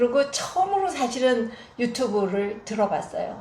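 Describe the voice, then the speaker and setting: Against noticeable background noise, a woman with a high pitch speaks at a fairly slow pace, her intonation lively. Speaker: professor. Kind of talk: interview answer.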